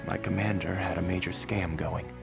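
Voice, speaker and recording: Gravelly, deep, world-weary soldier. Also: male voice, steady tone, moderate pace, over music. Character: resolute, world-weary fugitive ex-soldier hero. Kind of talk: dramatic motion-comic voice acting.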